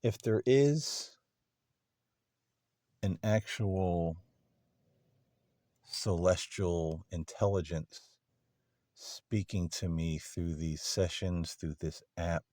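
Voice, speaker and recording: A man speaking earnestly and deliberately in formal phrases, hosting a paranormal session as he solemnly addresses unseen beings. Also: deep voice, mellow, no room sound. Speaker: host of paranormal contact sessions.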